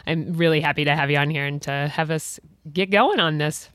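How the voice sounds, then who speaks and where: A woman's voice: low voice, a little fast, a bit bright, no echo, clean studio sound. A woman hosting an interview, chatting casually with many fillers and frequent laughs. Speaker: podcast host.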